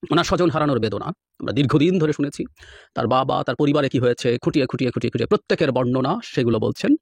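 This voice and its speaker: A man gives political commentary in an animated, scornful way, dropping in English phrases. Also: medium pitch, very fast, dry recording. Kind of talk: spoken commentary.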